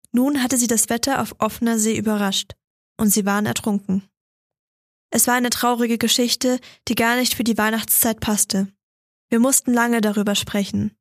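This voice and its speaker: A woman calmly reading a Christmas story aloud in a measured storytelling manner. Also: a little high, no room sound, clean studio sound. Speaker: reader. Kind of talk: audiobook narration of a Christmas story.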